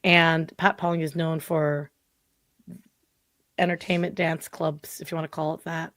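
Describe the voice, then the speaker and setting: Podcast guest, woman, 40s; lowish voice, dry close sound, chatty and animated, heavy on fillers. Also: measured pace, no echo. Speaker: podcast guest, marketing consultant. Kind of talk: casual interview chat.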